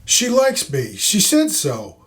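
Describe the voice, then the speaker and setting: Guy doing a whiny panicked creepy dude, voice pitched way up, protesting everything, audio fiction. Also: wildly swooping pitch, slow pace, a bit bright, full character voice. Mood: defensive, pleading. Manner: whining, indignant, protesting. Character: whiny, panicked male stalker, indignant victim. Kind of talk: audio fiction character reading.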